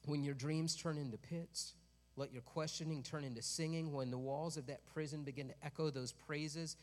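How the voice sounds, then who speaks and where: A man's voice: fairly high pitch, long reverb tail. A man preaching a sermon in a conversational way, with joking asides and rises to emphatic peaks.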